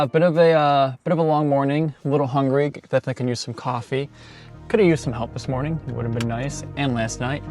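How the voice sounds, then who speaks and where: A road trip vlogger talks loosely to his camera with a middle-pitched male voice, drifting from one thought to the next and chuckling often. Soft music sits faintly beneath his voice. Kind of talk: casual vlog chat.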